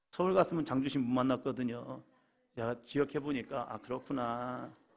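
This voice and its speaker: A man speaks at a moderate pace and a medium pitch. His pitch variation is ordinary. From South Korea, Chungcheong (Nonsan). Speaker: pastor. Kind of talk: sermon. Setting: church.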